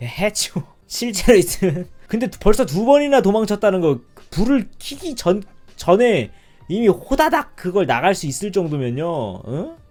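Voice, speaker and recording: Over music in the background, the voice sounds animated, with very wide pitch swings and big swings in loudness. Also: man, high pitch for a man, fairly slow pace. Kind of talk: live-stream chat, casual talk replying to viewers. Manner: conversational, animated, reacting to chat.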